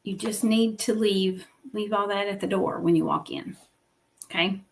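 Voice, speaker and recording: A woman's voice: medium pitch, fairly even intonation, moderate pace, gravelly. A woman hosting a weekly business livestream, coaching viewers in an encouraging teaching style and often checking in with "okay?" and "right?".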